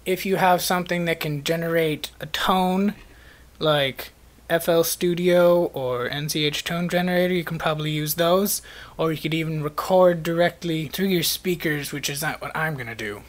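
A man's voice: on the high side, normal speed. A man presenting an instructional screencast, explaining the steps as a tutorial narrator.

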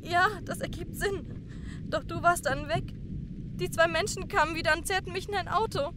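Very high-voiced, haunted young woman. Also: steady tone, moderate pace. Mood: haunted, remembering. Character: frightened young kidnapped woman recovering childhood memories. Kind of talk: German crime audio drama acting. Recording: noisy train ambience behind voice.

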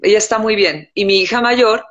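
Woman, 60s, calm and measured, guest on a video call, dull lo-fi sound. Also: mid-range voice. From born in the United States, raised in Colombia. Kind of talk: casual live-stream chat. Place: indoor room at home.

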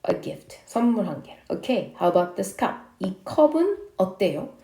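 Lady teaching english, slow careful reading, bouncy pitch, echoey room. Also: very animated, warm tone. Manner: reads English lines slowly, explains each in Korean. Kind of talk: English lesson, reading and translating dialogues.

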